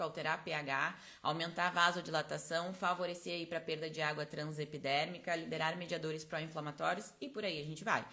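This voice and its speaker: This Brazilian esthetics course instructor teaches live online from a close personal microphone, explaining chattily and tagging each point with brief check-in questions. Her voice is fairly low in pitch, pushed and bright.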